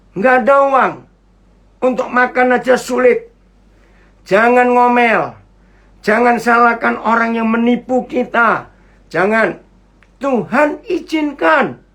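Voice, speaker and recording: Chatty high-voiced preacher giving an online sermon. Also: male voice, fairly bright tone. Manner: chatty, asks the listeners questions and greets viewers. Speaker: pastor. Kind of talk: online sermon over a video call. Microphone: computer mic on a video call.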